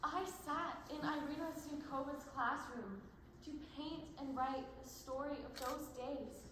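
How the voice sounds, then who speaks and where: A woman's voice: high voice, measured pace. A young woman acting a steadfast Jewish girl survivor in a stage play, in a very echoey, noisy hall. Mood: haunted, solemn. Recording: very echoey hall, clear background noise.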